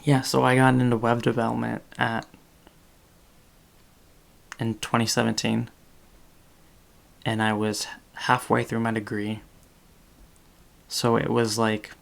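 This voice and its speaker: A man's voice: medium pitch, gravelly, fairly bright tone. A man in his twenties, a podcast host talking in casual chat on a video call, rambling with many fillers and self-corrections. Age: 20s. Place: small room indoors.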